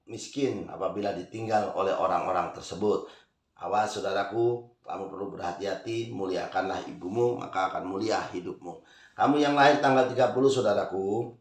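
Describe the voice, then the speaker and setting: Low-voiced man reciting fortunes, echoey room. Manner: addresses listener as brother, list-like recitation; ends with a chanted Arabic prayer. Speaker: zodiac fortune teller. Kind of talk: fortune-telling monologue.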